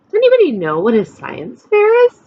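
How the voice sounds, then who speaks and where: Woman, high-pitched voice, expressive storybook read-aloud, teacherly asides and questions, dry slightly dull recording. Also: fairly quick. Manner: expressive, addresses young listeners with questions. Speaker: teacher reading a picture book aloud.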